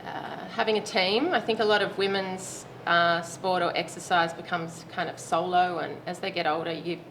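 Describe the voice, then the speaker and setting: A woman's voice: on the low side, fairly even intonation, moderate pace, fairly bright tone. A woman in her late thirties, a roller derby player chatting in an interview and laughing now and then. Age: 30s. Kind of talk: casual interview answers. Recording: noisy background.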